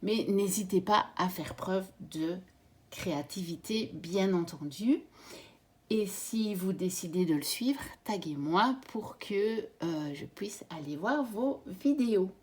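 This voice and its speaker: A woman born in Belgium hosts her own channel and walks through her favourite card decks. She speaks slowly and gently, with a husky, breathy tone and a middle pitch, pausing with small fillers between thoughts. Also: expressive. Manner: gentle, measured, pauses with fillers. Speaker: tarot and oracle card channel host. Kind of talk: casual card deck presentation.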